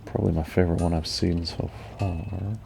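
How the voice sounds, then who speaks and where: A man with a low, gravelly voice and a dark, soft tone talks through a game in an unhurried, mellow way, thinking out loud. Faint music plays behind him. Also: fairly even intonation. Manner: slow, mellow, musing. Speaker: gamer. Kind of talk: calm gaming commentary.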